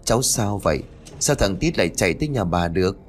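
A man's voice: deep voice, expressive, a little fast. A man voicing a thoughtful old grandmother who muses aloud in a storybook reading. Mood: puzzled. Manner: musing, questioning.

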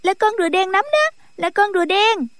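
Guy putting on a crying bratty little girl, super high and whiny, sobbing fake hurt. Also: animated, normal speed, a bit bright, no room sound. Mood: tattling.

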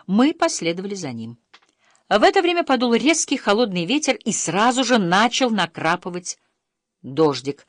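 An audiobook narrator reads a scripted first-person travel story aloud, her storytelling expressive. Her voice is medium-pitched at a normal speed, recorded in a clean studio with no echo.

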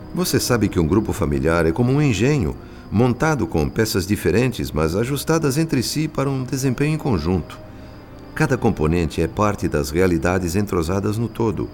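A deep, serene spirit mentor. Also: male voice. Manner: serene, measured, gently admonishing. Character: calm wise male spirit mentor. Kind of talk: radio drama acting.

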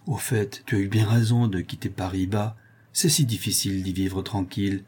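A man's voice: lowish voice, normal speed, slightly rough. A man reading an audiobook aloud, voicing a cheerful, talkative young Parisian seamstress. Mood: chatty. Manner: lively, affectionate, talkative.

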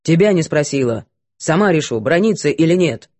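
A woman's voice: low-pitched, animated, moderate pace, darkish tone, no room sound. A woman voicing a coarse, hot-tempered cook who scolds and snaps rudely. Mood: shouting. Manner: rude, snapping, scolding.

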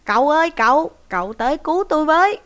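A woman's voice: on the high side, animated, moderate pace, natural voice. A woman voicing a male traveler caught as a thief, who talks in an urgent, pleading way.

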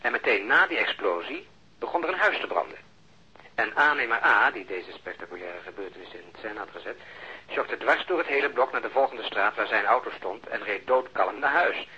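An actor playing an exasperated, sardonic police officer in a radio drama, with a husky voice and dry, deliberate delivery. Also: male voice, mid-range voice, sharp tone, exaggerated voice. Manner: dry, deliberate, ironic storytelling. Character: exasperated, sardonic male police officer recounting a botched stakeout. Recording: dull lo-fi old radio recording.

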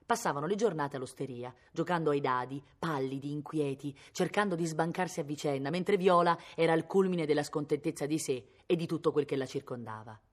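Woman from Italy, novel read aloud, expressive, lower voice. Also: fairly quick, hardly any pauses. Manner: expressive, rising with the drama. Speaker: reader. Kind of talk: literary reading aloud.

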